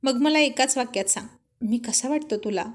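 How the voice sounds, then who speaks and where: A woman voicing a playful, tough young husband who teases his wife lovingly, drawling some lines slowly. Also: on the high side, natural voice. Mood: teasing. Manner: teasing, boastful, slow drawn-out lines.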